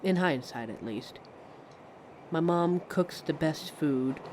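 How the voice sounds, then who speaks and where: A woman's voice: deep voice, expressive, slow pace, darkish tone. A woman playing a friendly, lonely train passenger in a hesitant, reflective ASMR roleplay monologue, chatting to a stranger. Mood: wry, fond. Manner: hesitant, musing, reflective, trailing off. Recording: vehicle noise behind voice. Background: train ambience sound effects.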